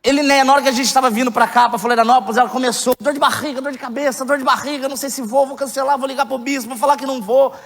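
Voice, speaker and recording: Man in his thirties preaching, high voice. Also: fairly even intonation, racing, few pauses. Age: 30s. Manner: candid, joking, rising to loud emphatic outbursts. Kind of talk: sermon. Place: church hall. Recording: long hall reverb.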